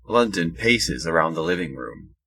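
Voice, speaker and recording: A man's voice: low voice, sing-song, normal speed, fairly bright tone. A man reading scripted narration as the narrator of an audio drama.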